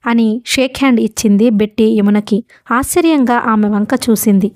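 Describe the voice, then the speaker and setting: A woman narrating a novel audiobook in a steady storytelling way. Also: fairly high pitch, moderate pace, no room sound, clean studio sound.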